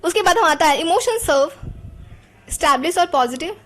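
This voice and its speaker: A woman's voice: very high voice, animated, moderate pace. A woman gives a psychology lesson. She talks in a chatty way and keeps putting rhetorical questions to her students. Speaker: teacher.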